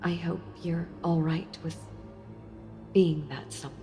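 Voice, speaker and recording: A woman playing a sealed-away female villain in an audio role-play, speaking to the listener tenderly, intimately and with hesitant pauses. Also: lowish voice, fairly even intonation, mellow. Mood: wistful, affectionate. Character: sealed-away female villain, wistful, softly seductive and enthralled. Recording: long reverb with music behind. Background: music.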